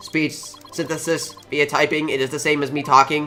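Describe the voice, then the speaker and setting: Faint music plays behind a put-on, robotic character voice that speaks at a moderate pace with a middle pitch. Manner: flat, mechanical.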